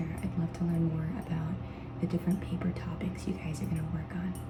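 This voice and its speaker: Someone whispers at a very fast pace. Music plays in the background. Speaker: law student. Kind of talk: ASMR study-with-me talk. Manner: whispered.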